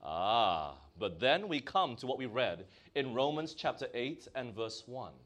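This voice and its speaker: A man's voice: medium pitch, big pitch swings, a little slow, fairly bright tone. A male preacher with a Malaysian accent, delivering a sermon and asking his congregation questions as he stresses key words.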